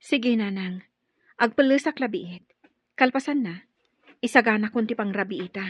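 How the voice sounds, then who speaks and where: A woman's voice: on the high side, normal speed, no echo, lightly acted. A woman playing a secretive, nervous young daughter of a tribal chief in an Ilocano radio drama, speaking respectfully and furtively. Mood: evasive, meek. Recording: slightly muffled radio drama sound.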